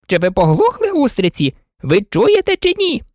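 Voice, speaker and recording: A woman's voice: a little high, wildly swooping pitch, moderate pace, darkish tone, no room sound, studio quality, pitched above the performer's own voice. Bossy greedy carpenter, played by a woman. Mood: brusque. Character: blunt greedy male carpenter.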